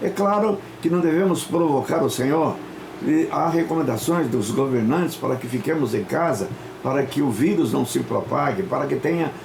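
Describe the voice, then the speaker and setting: A man with a fairly high voice and lively intonation at a moderate pace, very even loudness, noticeable background noise and audible room echo. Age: 70s. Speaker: pastor. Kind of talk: sermon. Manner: halting.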